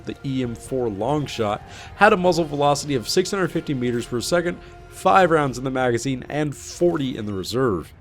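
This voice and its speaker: A man narrating a scripted video game patch review as the host. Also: medium pitch.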